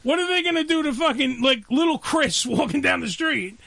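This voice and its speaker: New york guy hosting, real high voice, bright, cussing and cracking jokes. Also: lively intonation, fairly quick, creaky, dry recording. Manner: brash, profane, joking. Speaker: host. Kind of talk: casual chat.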